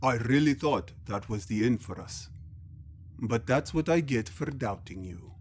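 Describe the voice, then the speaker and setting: A man playing a commanding alien elder and father in a scripted audio drama, speaking formally and deliberately. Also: medium pitch, animated, darkish tone, a little hiss or hum, lightly acted. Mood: wry resignation.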